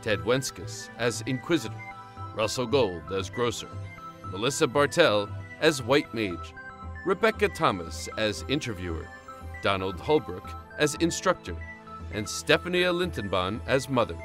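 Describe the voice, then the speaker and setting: A man announces show credits in a scripted read. His pitch is middling. Music plays clearly behind him. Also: big pitch swings, measured pace.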